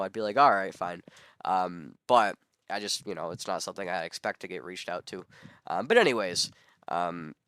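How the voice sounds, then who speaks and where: A young man hosts his podcast alone while sick, his voice hoarse yet smooth and resonant underneath. He rambles, trips over himself and fills gaps with ums. The sound is dry and close. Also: on the low side, fairly bright tone, dry recording. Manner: rambling, many ums and self-corrections. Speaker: podcast host. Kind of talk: solo podcast monologue.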